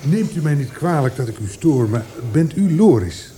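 A man's voice: fairly high pitch, very animated, normal speed, mellow, slight background noise. An actor in a Dutch radio drama playing an intense, possessive male poet who declaims formally and fervently. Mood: formal, eager.

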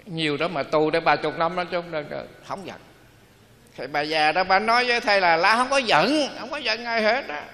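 A man's voice: high-pitched, bright, forceful tone, in a large hall. A man, a Buddhist monk, giving a dharma talk in a folksy storytelling way, acting out the people in his stories.

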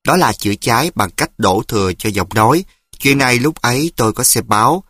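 A man's voice: medium pitch, sharp tone, no room sound. Man reading an audiobook, dry and close. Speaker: audiobook reader. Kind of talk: audiobook narration of an essay.

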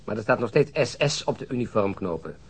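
An actor playing a melancholy, thoughtful senior police detective in a radio drama, with an understated, reflective manner. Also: male voice, on the low side, expressive, fairly quick, slightly rough. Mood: dry. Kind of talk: naturalistic Dutch radio drama acting.

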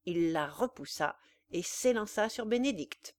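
This audiobook reader, a woman with a medium-pitched voice, narrates a classic novel from the script, keeping her storytelling calm, measured, and even.

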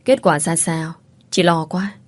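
A woman voicing a caring older female friend who talks briskly and worriedly. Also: on the low side, fairly even intonation. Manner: brisk, worried, scolding kindly.

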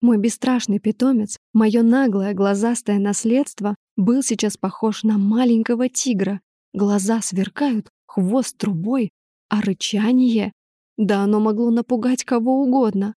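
A woman narrating a first-person audiobook in an even, measured way. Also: mid-range voice, no echo, studio quality.

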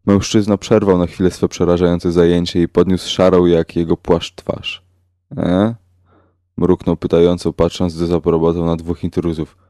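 A man narrating a horror story in a slow, measured, grave way. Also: low-pitched, completely flat delivery, mellow, dry recording, clean studio sound. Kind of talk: scripted horror audiobook narration.

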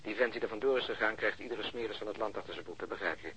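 A man playing a blunt, cynical policeman in a radio drama, talkative and sardonic, with a rough voice over a phone line. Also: fairly low pitch, rapid-fire, fairly bright tone. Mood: matter-of-fact. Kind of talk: Dutch radio drama acting. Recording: muffled band-limited phone line.

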